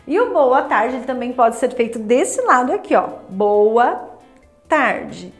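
A Brazilian woman teaching sign language in a lively, demonstrative way, repeating each phrase as she shows it. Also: a little high, takes it slowly, echoey room, soft background music. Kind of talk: friendly instructional explanation.

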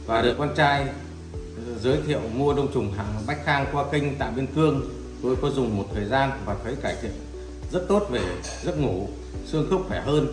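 A man's voice: mid-range voice, moderate pace. A man in his sixties giving a customer testimonial. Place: indoor living room. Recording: roomy echo under loud music.

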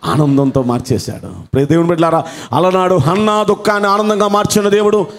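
A man's voice: high voice, steady tone, quick pace. A man preaching a sermon as pastor, telling a story dramatically, repeating phrases for emphasis and calling out hallelujah. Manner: fervent, exclaims hallelujah.

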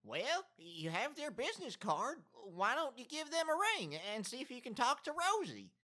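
A man's voice: very high-pitched, wildly swooping pitch, normal speed, pushed and bright, heavily acted. A man playing a folksy, easygoing farmer father in a comedic audio drama. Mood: offhand.

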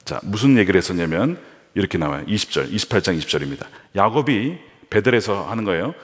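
A male pastor preaching a sermon with animated delivery, acting out the voices he quotes. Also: deep voice, quick pace. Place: large church sanctuary. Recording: reverberant church hall.

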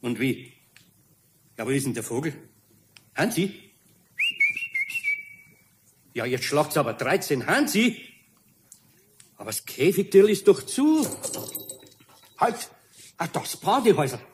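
A man playing a gruff but good-natured older craftsman with a Bavarian accent in a children's radio play. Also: a little high, big pitch swings, takes it slowly, pauses often, darkish tone, exaggerated voice. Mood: puzzled. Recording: noisy old vinyl radio-play recording.

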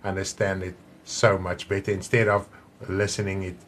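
A man in his fifties with a South African accent, an Afrikaans speaker, chatting warmly and rambling through a church broadcast welcome from his home. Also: deep voice, level tone, moderate pace. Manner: chatty, rambling, with many restarts and hand gestures. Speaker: pastor. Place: home room with wall of plates, indoors.

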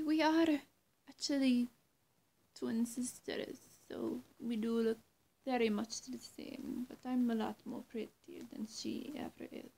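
Coaxing but wary, a young adult woman voices a female vampire for a listener roleplay, a menacing, two-faced character who turns from sweet to threatening. Her higher-pitched, warm voice moves unhurriedly and haltingly, with long pauses and teasing menace sinking toward a breathy whisper, recorded in a small room at home indoors.

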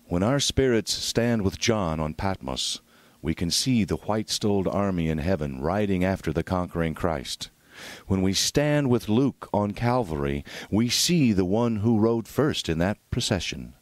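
A man's voice: low voice, expressive, measured pace, no room sound. A man reading a devotional sermon aloud in a solemn, dramatic, oratorical manner. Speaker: reader of a devotional book.

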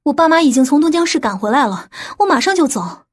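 A woman's voice: high-pitched, lively intonation, fast. A woman playing a distressed, pleading female employee in an audiobook novel, sounding plaintive. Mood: upset, puzzled.

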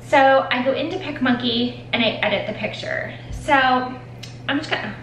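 A woman's voice: high-pitched, normal speed, a bit bright, reverberant, a little hiss or hum, low-quality recording. A woman in her forties vlogging casually from her nail studio, rambling and self-deprecating as she talks to the camera. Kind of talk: casual vlog chat. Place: home nail studio with shelves of polish.

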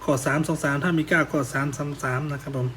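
A man's voice: a little high, steady tone, quick pace, fairly bright tone, a little hiss or hum. A man teaching a worksheet answer lesson, politely ending his phrases, and reciting a poem in a lilting chant. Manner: polite, ends phrases with "ครับผม".

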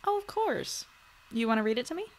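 A woman playing a practical, reassuring newspaper editor in an audio drama, casual and measured. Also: on the high side, sing-song.

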